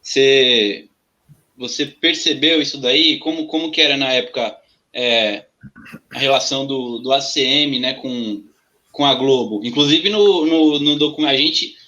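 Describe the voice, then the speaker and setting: A man's voice: mid-range voice, measured pace, pushed and bright, muffled recording. A man hosting an interview, asking questions hesitantly with many fillers and restarts. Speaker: interview host.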